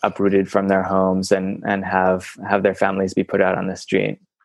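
Speaking with a Midwestern US accent, a man has a fairly low pitch. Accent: US Midwest. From Iowa, US Midwest. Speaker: former immigrants' rights lawyer, translator. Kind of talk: interview.

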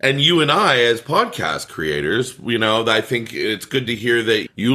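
A man talks at a moderate pace with an American accent. His tone is bright and sharp. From South Florida. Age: 40s. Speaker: podcast host. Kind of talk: interview.

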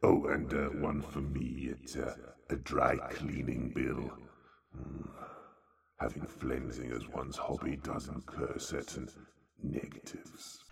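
In a put-on character voice with a very deep, low pitch, a man speaks at a fairly slow pace with long, frequent pauses and clear echo. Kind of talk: comic sketch. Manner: polite, deferential, macabre.

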